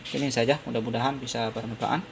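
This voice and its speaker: A man's voice: medium pitch, steady tone, quick pace, gravelly, noisy background. A man narrates a hands-on repair tutorial, explaining step by step and repeating his points. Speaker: phone repair tutorial presenter.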